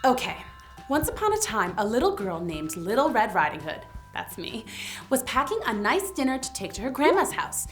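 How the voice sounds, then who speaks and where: Female story-time host, very animated delivery, exclamatory and playful, over a music bed. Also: a little high, moderate pace.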